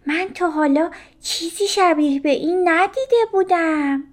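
A woman's voice: extremely high pitch, voice pushed up. A woman voicing a small, friendly young fish, calling out eagerly in a raised, childlike tone. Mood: eager, worried. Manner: raised, urgent, childlike calls.

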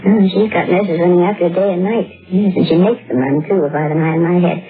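An actress playing a chatty, nosy housekeeper who scolds and gossips, in an old radio drama. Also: female voice, on the low side, fairly even intonation, fast talker, breathy edge, faint music behind. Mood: gossipy. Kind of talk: 1950s radio drama acting. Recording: tinny old radio broadcast.

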